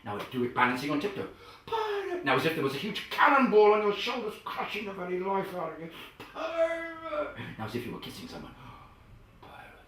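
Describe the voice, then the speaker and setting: A man playing a pompous, self-important acting coach who over-enunciates grandly and breaks into sudden loud outbursts. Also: high voice, wildly swooping pitch, a little fast, full character voice. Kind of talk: comedy character sketch. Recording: very echoey, far from the mic.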